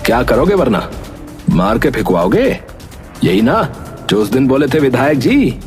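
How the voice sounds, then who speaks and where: A man's voice: mid-range voice, sing-song, measured pace, soft background music. A man playing a defiant, smirking young village man with a blunt, challenging manner in a story. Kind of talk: acted moral story dialogue.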